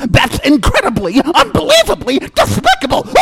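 Over clear background noise, a man does a put-on character voice at an extremely high pitch, speaking at a moderate pace. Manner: exasperated, indignant, theatrical.

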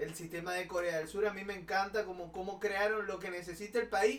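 Monotone, flat intonation runs through a recording with noticeable background noise. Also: man. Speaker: podcast host. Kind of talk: interview.

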